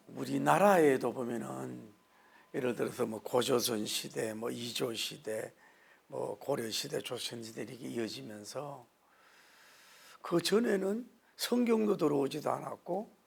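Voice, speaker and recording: A man's voice: medium pitch, vocal fry, a little mellow, husky. A middle-aged man preaching a sermon lecture as pastor, folksy in manner. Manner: folksy, mimics regional dialects for humor.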